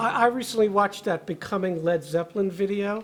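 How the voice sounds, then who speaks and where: A man speaks at a moderate pace, his pitch rising and falling in an ordinary way. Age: 60s. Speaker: drum teacher. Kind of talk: tutorial. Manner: casual, conversational.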